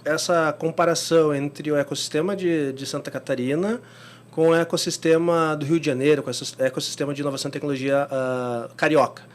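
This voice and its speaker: A man's voice: a little high, steady tone, fairly quick. A man hosting an interview. He asks his questions in an informal, rambling way, with long lead-ins and many fillers. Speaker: podcast host, interviewer.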